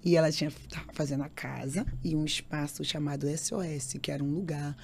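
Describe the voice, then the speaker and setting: A woman's voice: sits low, fairly even intonation, a little fast, creaky, a little mellow, breathy edge. A woman, a podcast guest giving an emotional faith testimony, repeating phrases and acting out other people's voices.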